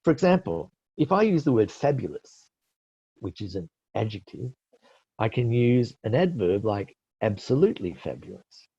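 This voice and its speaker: Fairly low and sing-song, with a dark tone and breathy edge, the voice moves at a moderate pace. It is a middle-aged Australian man presenting IELTS tips in a webinar, teaching and handling questions patiently, self-correcting with many fillers. His webinar call mic produces dry, dull lo-fi audio.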